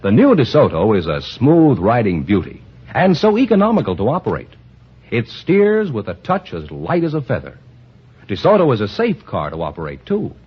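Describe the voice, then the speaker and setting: Man, announcer, sponsor commercial, husky, very lively pitch, muffled old radio sound. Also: normal speed. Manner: booming emphatic salesmanship.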